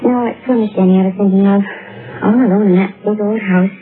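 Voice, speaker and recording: An actress playing a chatty, nosy housekeeper who scolds and gossips, in an old radio drama. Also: female voice, medium pitch, steady tone, fast talker, close to an everyday voice. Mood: gossipy. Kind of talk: 1950s radio drama acting. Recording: tinny old radio broadcast.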